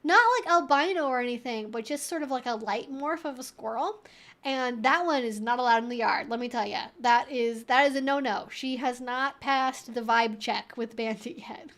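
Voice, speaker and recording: A woman's voice: a little high, normal speed, a bit bright. A woman hosting a casual Q&A livestream, talking in a chatty, rambling way full of informal asides. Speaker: livestream host answering viewer questions.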